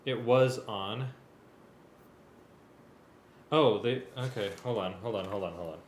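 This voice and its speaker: A man's voice: fairly low pitch, takes it slowly, a little hiss or hum. A man reading a script aloud and directing a music rehearsal. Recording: echoey room, loud live string music. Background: loud violin and string music.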